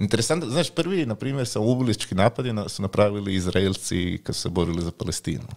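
A plain, everyday voice speaks at a fairly quick pace with lively intonation against a quiet background. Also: man, fairly low pitch for a man. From Croatia, Istria (Umag); Croatia. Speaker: travel writer and long-distance walker; podcast guest. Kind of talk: interview. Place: studio. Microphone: studio mic.

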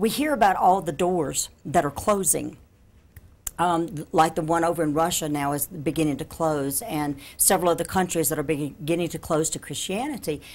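A woman with a Southern US accent, fairly low-pitched for a woman, at a fairly quick pace with ordinary pitch variation. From US South, Mississippi near Memphis. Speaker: minister and author; guest, minister. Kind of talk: TV talk show interview. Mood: earnest, animated. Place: studio.

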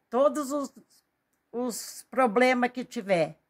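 Speaking very slowly, a woman keeps her pitch variation ordinary. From Santa Catarina highlands, Brazil. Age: 80s+. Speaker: rural farm woman. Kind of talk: casual interview. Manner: halting.

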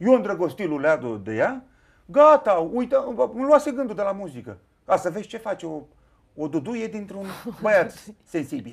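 This man talks at a moderate pace in a high pitch, with very wide pitch swings, long and frequent pauses, and big swings in loudness. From Romania, Ialomița county, rural village; Romania. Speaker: folk singer, theology graduate; interviewee. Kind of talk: interview. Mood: candid, reflective storytelling. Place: studio.

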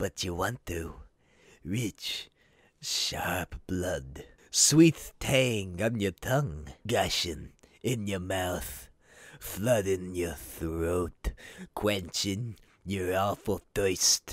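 A man's very deep, low put-on character voice at a very slow pace, on a very clean recording with a silent background. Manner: seductive, menacing, lingering.

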